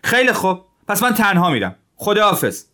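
A man's voice: mid-range voice, lively intonation, voice pushed up, natural voice. A man voicing a brave, resolute young officer who talks in an urgent, commanding way. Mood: angry. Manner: urgent, commanding, loud in tense moments.

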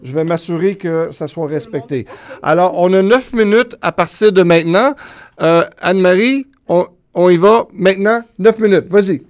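High-voiced, hesitant male moderator. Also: normal speed. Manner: hesitant, many fillers. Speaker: debate moderator. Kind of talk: moderating a debate.

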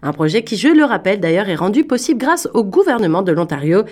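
A woman's voice: mid-range voice, big pitch swings, fast talker, darkish tone. Chatty woman interviewer, Parisian French accent. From Paris, France. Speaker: radio interviewer and host. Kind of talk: conversational interview, informal and chatty.

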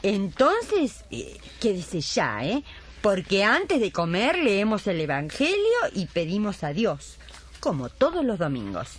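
A woman's voice: mid-range voice, wildly swooping pitch, takes it slowly, husky, exaggerated voice. A woman playing an elderly retired midwife, devout and plain-spoken, in a radio drama. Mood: gently coaxing. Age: older.

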